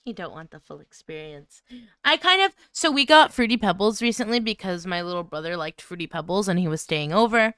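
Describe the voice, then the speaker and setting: A woman's voice: on the low side, animated, brisk, fairly bright tone, clear, resonant tone, no room sound. A woman hosting a livestream, chatting casually in a playful, talkative manner. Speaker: livestream host.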